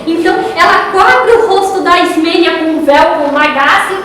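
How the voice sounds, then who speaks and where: A woman's voice: very high-pitched, moderate pace. A woman giving a spiritist lecture, animatedly retelling a story. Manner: animated retelling with acted quotes. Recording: echoey hall from far off.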